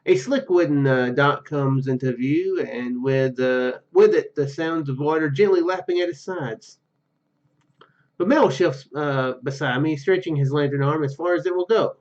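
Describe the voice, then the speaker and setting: Casting: male gaming host, fairly high voice, reads story text with casual asides, slightly dull recording. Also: normal speed, darkish tone. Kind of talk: reading game narration aloud with casual commentary.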